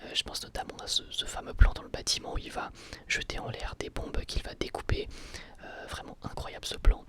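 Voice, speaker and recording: A man giving an ASMR review in a breathy, voiceless whisper, enthusiastic, often repeating words as he searches for phrasing. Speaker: ASMR video creator reviewing anime.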